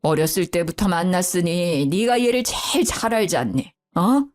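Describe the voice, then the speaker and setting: Woman doing a stern elderly father-in-law for a storybook read: booming, lively pitch. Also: moderate pace, faint music behind, lightly acted. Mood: pleading. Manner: booming scolding, then soft pleading.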